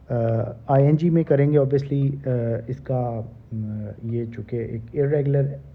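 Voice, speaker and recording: A middle-aged male teacher. He reads English grammar rules slowly word by word, then explains them in a relaxed way. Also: mid-range voice. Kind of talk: recorded classroom lecture. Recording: tinny phone-like lecture recording.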